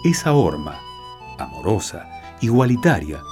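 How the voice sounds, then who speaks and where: A man's voice: low-pitched, wildly swooping pitch, measured pace. A man with an Argentine accent narrating a scripted religious radio programme as its host. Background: loud music.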